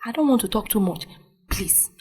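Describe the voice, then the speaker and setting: Husky, preachy Nigerian mother. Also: medium pitch, animated, normal speed, darkish tone. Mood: pleading, restrained. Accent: Nigerian Igbo-language English. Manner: preachy, exclamatory, repeats herself insistently. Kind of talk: audio drama acting. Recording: music behind the voice.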